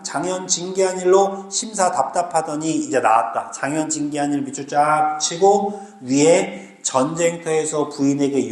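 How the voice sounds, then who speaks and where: A man lecturing to a live class, lively and slangy, often stopping to ask whether students follow. His voice sits a bit high for a man. The classroom rings with a roomy echo. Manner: lively, keeps checking students understand. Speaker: Korean literature teacher.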